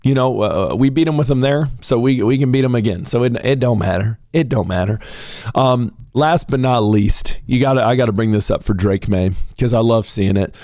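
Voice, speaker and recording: A hoarse young man, getting over a cold, hosting casual solo sports commentary in an excitable, rambling way and calling his viewers ladies and gentlemen. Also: medium pitch, moderate pace, dry recording, studio quality. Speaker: sports talk show host.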